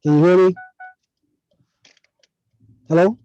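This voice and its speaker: A man's voice: high voice, fairly even intonation, slow pace, dark tone, no room sound, soft background music. A male council member speaking over a remote call, his voice muffled as if through a wall, in a formal manner. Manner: formal, speaks in set phrases. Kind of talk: remarks at a council meeting. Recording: muffled lo-fi call with faint noise.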